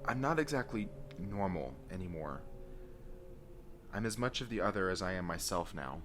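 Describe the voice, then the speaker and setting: A man's voice: deep voice, lively intonation, moderate pace, music in the background. An actor playing a weary, secretive man changed by an otherworldly force, pleading urgently and lovingly in an audio drama. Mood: earnest warning. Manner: earnest, pleading.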